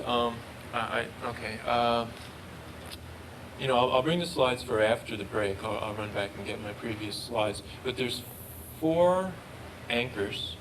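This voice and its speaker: A man presenting research and answering questions, halting and often repeating words. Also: lowish voice. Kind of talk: research talk Q&A. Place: lecture room. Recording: noisy room recording.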